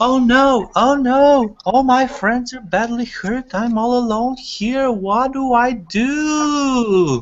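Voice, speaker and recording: A put-on character voice shouts at a fairly high pitch with hardly any pauses. The pace is very slow. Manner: gentle, then shouting in fake distress.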